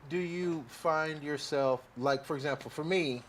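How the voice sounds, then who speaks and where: A man's voice: on the high side, measured pace, slight background noise. A man hosting a talk radio interview, asking long, rambling questions in a loose, chatty way. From Kansas City. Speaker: radio show host. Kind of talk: casual interview chat.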